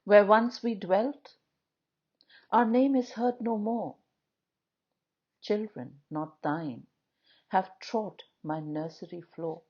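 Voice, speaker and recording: A woman reciting poetry in a solemn, dramatic, measured style, pausing often between short phrases. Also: mid-range voice, highs cut off. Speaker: poetry reader.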